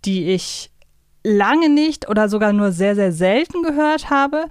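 A woman's voice: medium pitch, expressive, measured pace, clear, resonant tone, no room sound, clean studio sound. A woman hosting a podcast in a casual, conversational chat style. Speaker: podcast host. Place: close, dry podcast recording.

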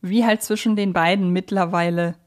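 A woman's voice: fairly low pitch, fairly even intonation, normal speed, a little mellow. Woman chatting casually as podcast co-host. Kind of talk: casual fan discussion.

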